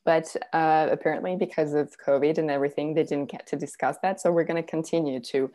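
A woman's voice: low voice, steady tone, quick pace, dark tone. A woman from Serbia, a parenting coach, talking earnestly as a guest, with many fillers and restarts. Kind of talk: casual interview talk.

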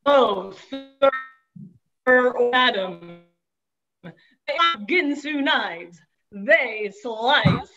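An actress playing a bossy jewel thief disguised as a salesperson, with salesperson patter, over a video call. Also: female voice, a little high, a bit bright, muffled recording, full character voice. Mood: salesy.

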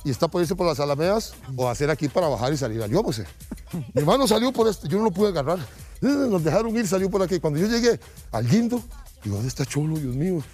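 A man's voice: high-pitched, quick pace, soft background music. A middle-aged Costa Rican man casually telling an anecdote, acting out the people in it. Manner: animated, acts out voices in his stories. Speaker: guest storyteller.

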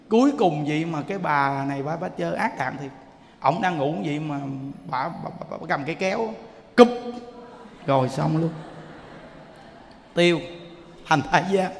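A Southern Vietnamese monk gives a lively dharma talk in a fairly high voice, teasing and questioning his listeners as he tells stories. His words ring out with a long reverb through a temple hall. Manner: lively, joking storyteller addressing the audience. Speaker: Buddhist monk preacher.

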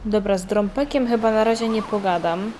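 A woman's voice: mid-range voice, brisk, background noise. A woman giving casual gameplay commentary as a let's player.

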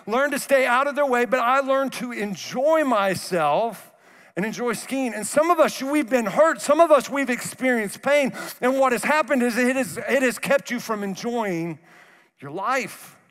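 A middle-aged male pastor preaching a sermon, conversational and animated, acting out the voices he quotes. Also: very high voice, a little slow. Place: large church hall. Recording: long hall reverb.

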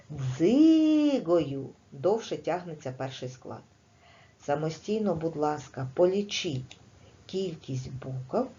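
In a recorded video lesson, a woman teaches a primary school class, explaining slowly, clearly and patiently. Her voice is low-pitched and a little mellow, and the sound is lo-fi.

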